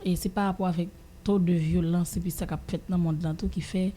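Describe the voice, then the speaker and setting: Dark, low-voiced Haitian woman, halting. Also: steady tone, slightly rough. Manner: halting, searching for words, repeating phrases. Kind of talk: casual opinion discussion.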